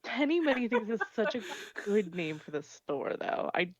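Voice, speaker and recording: A woman's voice: medium pitch, very animated, moderate pace, no room sound, muffled recording. A woman chatting casually and with amusement while playing a tabletop game on a live stream.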